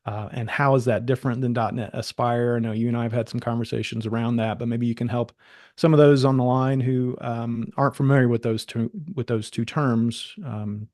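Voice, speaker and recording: A man's voice: medium pitch, steady tone, a little fast, a little mellow, no room sound. Casual male webinar host, dry close sound. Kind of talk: casual fireside chat interview.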